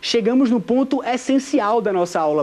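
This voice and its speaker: Noticeable background noise accompanies a man. His pitch is extremely high and swings very widely. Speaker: law lecturer. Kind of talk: TV lecture. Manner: animated, emphatic teaching; halting with self-corrections.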